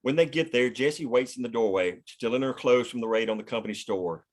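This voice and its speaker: A man's voice: mid-range voice, brisk. A man reading scripted screenplay stage directions as the narrator of a table read.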